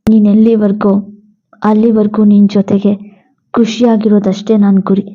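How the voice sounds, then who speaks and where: A woman voicing a grieving, devoted young husband who speaks in a soft, pleading way. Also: mid-range voice, flat delivery, moderate pace, lo-fi sound, pitched below the performer's own voice, lightly acted. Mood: tender grief.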